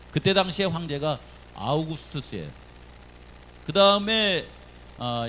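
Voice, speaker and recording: Male pastor, fairly high-pitched, giving a chatty, question-filled sermon in a church with faint background noise. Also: fairly bright tone, low-quality recording. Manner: conversational, asks the congregation questions. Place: church sanctuary.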